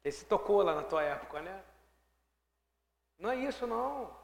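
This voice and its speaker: A man preaching a sermon, swinging from hushed asides to loud, fervent declarations. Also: high voice, very animated, normal speed, vocal fry, reverberant, big-room sound.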